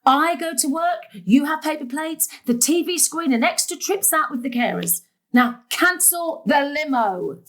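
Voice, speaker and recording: Long-suffering middle-aged daughter, acted by a woman: sarcastic, exasperated, high and animated, for audio drama. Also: unhurried. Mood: firm, fed up. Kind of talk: stage-style audio drama acting.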